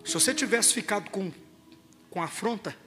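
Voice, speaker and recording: A man's voice: high-pitched, lively intonation, a little fast. A Brazilian man preaching a sermon, urging the congregation to respond. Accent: Brazilian Portuguese. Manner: exhorting, rousing the congregation. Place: church hall. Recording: long hall reverb with loud music.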